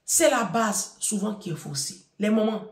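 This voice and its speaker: A woman from Africa speaks to her audience in a casual, storytelling monologue. She is emphatic and animated, turns to her listeners directly and repeats her points for weight. Her middle-pitched voice rings in a noticeably echoey room. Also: moderate pace. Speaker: community speaker giving parenting advice.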